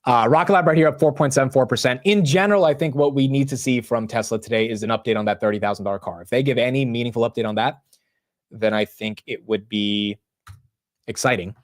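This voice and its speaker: A man's voice: mid-range voice, fast talker, dry recording, clean studio sound. A man from the United States hosting a market livestream, chatting casually in a loose, slangy way and talking to his viewers. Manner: loose, slangy, talks to chat. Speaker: livestream host.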